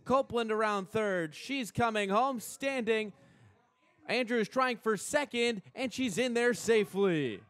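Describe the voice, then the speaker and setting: A young American man doing live radio play-by-play commentary of a softball game as the announcer. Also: high voice. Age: young adult. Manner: measured between plays, excited on big plays.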